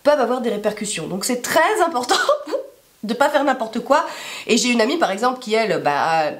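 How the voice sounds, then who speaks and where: A woman with a hoarse smoker's rasp being sick, chatting casually to camera in a rambling, self-deprecating way full of asides. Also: on the high side, expressive, a little fast. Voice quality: raspy smoker's rasp from illness. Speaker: YouTube vlogger.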